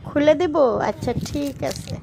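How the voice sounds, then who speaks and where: A woman's voice: high-pitched, moderate pace, noisy background. A young woman, a mother chatting and coaxing her toddler in a home vlog. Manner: chatty, coaxing questions to a small child. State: hoarse.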